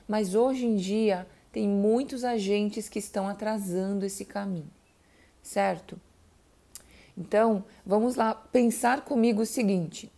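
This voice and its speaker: A woman's voice: mid-range voice, dark tone. A middle-aged woman teaching parents about children's speech, explaining patiently, calling out to her listeners and sounding out baby syllables. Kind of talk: educational talk to parents.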